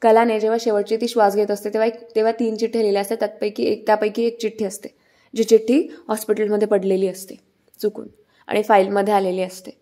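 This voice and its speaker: A woman's voice: mid-range voice, level tone, fast talker, mellow. A woman casually retelling a television serial episode in a chatty way, with many fillers. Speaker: serial recap narrator.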